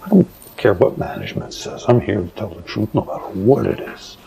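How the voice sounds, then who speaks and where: Very gravelly, low-voiced idealist reporter played by a man. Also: sing-song, a little fast, a crowd in the background, full character voice. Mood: defiant, earnest. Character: principled, defiant male reporter devoted to the truth. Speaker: voice actor in an audio drama. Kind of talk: audio drama dialogue. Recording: clearly noisy background, hobby recording.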